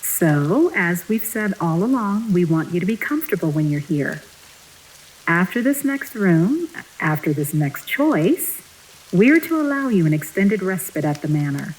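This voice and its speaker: A low-voiced, poised, placating manor official. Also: female voice, big pitch swings, a little slow, a little mellow, rough recording. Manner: formal, diplomatic, controlled. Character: poised, placating female agent of mysterious prison manor. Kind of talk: audio drama dialogue.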